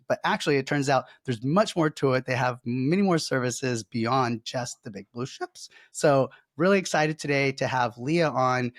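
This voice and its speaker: A man's voice: mid-range voice, no room sound, studio quality. A man hosting a podcast and interviewing a guest in a conversational style. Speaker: podcast host.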